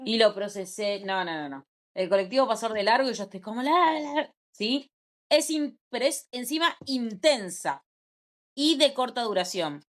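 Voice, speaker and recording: A young woman with an Argentine Spanish accent gives an informal class lecture, conversational and often checking in with quick rhetorical questions. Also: a little high, expressive. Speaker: teacher.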